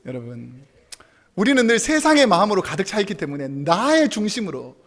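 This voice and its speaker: Lively high-voiced male pastor. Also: brisk. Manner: animated, acts out spouses' quips, chuckles with congregation. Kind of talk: sermon. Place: church sanctuary.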